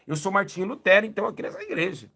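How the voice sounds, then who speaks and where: A young Brazilian man, a pastor, giving a lively church testimony and acting out the dialogue as he tells it. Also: high voice, racing, creaky. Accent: Brazilian Portuguese. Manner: animated storytelling, acting out dialogue.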